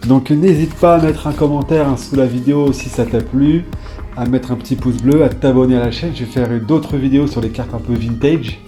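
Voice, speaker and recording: A man's voice: medium pitch, fairly quick, warm tone, faint music behind. A man chatting casually in a vlog, reading off long lists of names with plenty of fillers. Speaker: YouTuber showing his old football card collection.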